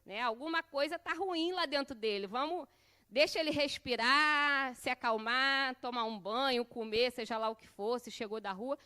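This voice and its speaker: A woman's voice: high voice, moderate pace, pushed and bright, clear, resonant tone. A middle-aged woman teaching a course in a chatty, conversational way, often tagging her sentences with a questioning "né". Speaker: course instructor. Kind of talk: conversational lesson with personal anecdotes.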